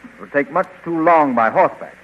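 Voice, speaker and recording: A confident young hero played by a man, fairly high and very lively in pitch. He declaims earnestly and decisively on a dull, old 1930s radio serial recording. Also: fairly quick, lightly acted. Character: confident young heroic adventurer, reassuring and decisive. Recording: muffled, hissy 1935 radio recording.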